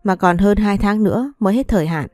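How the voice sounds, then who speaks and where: A woman narrating a first-person audiobook story with a smooth, even storytelling delivery. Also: medium pitch, brisk, no room sound, clean studio sound, faint music behind.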